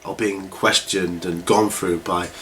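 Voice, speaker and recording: A middle-aged man with a low, slightly bright voice chats to camera a little slowly and with fairly even intonation, wandering from point to point as host of a hobby question-and-answer series. Still shaking off a cold, he's slightly congested and coughs. The home recording is noticeably noisy.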